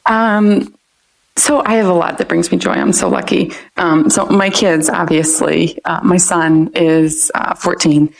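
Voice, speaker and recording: Gravelly-voiced woman with a Philadelphia accent. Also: fairly low pitch, steady tone, unhurried, poor audio. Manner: chatty, laughs often between phrases. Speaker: guest, dietetics student. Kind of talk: casual interview chat.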